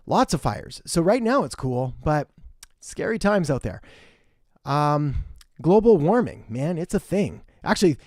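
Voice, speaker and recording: With a slightly high, sing-song voice at a measured pace, a young man hosts a casual live marketing Q&A from his western Canadian home. He's chatty and direct, naming viewers as he greets them and offering blunt advice. His tone is a little mellow, and the studio sound is clean with no room sound.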